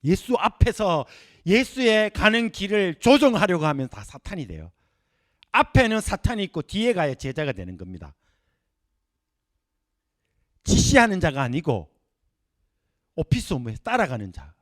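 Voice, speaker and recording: A middle-aged male professor gives a Bible lecture. His voice sits high and leaps around expressively. He acts out the scenes vividly for the class. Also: big pitch swings, unhurried, long pauses.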